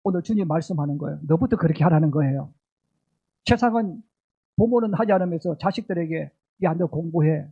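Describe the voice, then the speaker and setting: A man's voice: fairly high pitch, fast talker, husky, narrow, tinny audio. A middle-aged male pastor preaching a sermon emphatically, with repeated rhetorical questions to the congregation. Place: church sanctuary.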